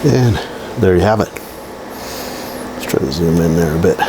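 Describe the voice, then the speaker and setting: Guy with a lowish voice doing a casual diy demo, kinda halting, faint room noise behind him. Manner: halting, thinking aloud while working. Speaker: electronics hobbyist presenting a how-to. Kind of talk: informal hands-on demonstration. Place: indoors, home office. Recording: hissy air-conditioner hum, amateur audio.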